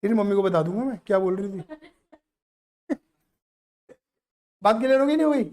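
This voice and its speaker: A man's voice: high voice, lively intonation, normal speed, a little mellow. A man teaching accountancy to a live class, playful and teasing as he keeps quizzing the students.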